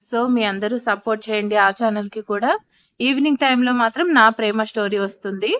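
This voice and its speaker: A woman narrating an audio story and chatting softly with her listeners. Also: fairly high pitch, fairly even intonation, fairly quick. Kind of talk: casual chat and scripted story narration. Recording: dull, dry recording.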